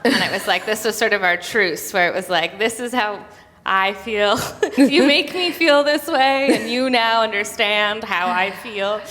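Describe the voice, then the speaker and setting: A woman's voice: mid-range voice, unhurried, hardly any pauses, a bit bright. A woman interviewing on stage in a casual, chatty and informal way. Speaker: interviewer presenting cartoons. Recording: echoey hall with long reverb.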